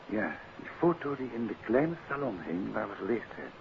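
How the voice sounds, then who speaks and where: An actor playing a calm, courteous, secretive married detective in a 1950s Dutch radio play, with a Netherlands accent. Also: male voice, fairly low pitch, normal speed, creaky. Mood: businesslike. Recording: tinny, noisy 1950s radio recording.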